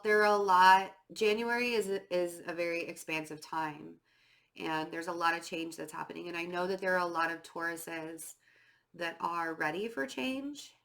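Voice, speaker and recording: A woman's voice: on the low side, vocal fry, bright, forceful tone. A woman with a stuffy, slightly nasal voice giving a casual tarot reading to camera, chatty and full of fillers, nervous and fidgety. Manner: chatty, filler-heavy, with many "um" and "like"; self-described nervous and fidgety. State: stuffy nose from a cold. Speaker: tarot reader.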